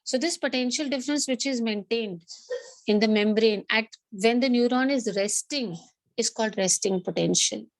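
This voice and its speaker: A woman's voice: on the high side, moderate pace, no echo, poor audio. A woman with a South Asian accent teaching an interactive online class, asking questions, repeating points and switching between two languages. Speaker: biology teacher.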